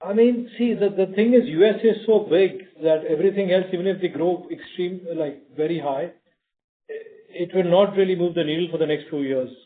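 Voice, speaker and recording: A man's voice: sits high, moderate pace, narrow, tinny audio. A man answering as a company executive on a conference call, in an informal, conversational way. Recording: thin telephone conference line.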